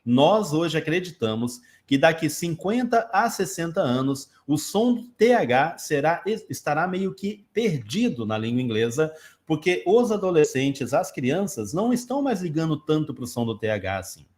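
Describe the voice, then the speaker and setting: A man's voice: fairly high pitch, very animated, moderate pace, a little mellow. A man with a Brazilian Portuguese accent, an English teacher answering viewer questions in a casual live stream, explaining patiently with everyday examples.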